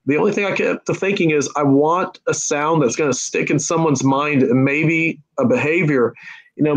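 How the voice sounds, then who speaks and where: Guy talking about his horror story, kinda high voice, lots of uh and um, excited. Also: rough recording. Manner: enthusiastic, rambling with fillers. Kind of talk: casual podcast discussion.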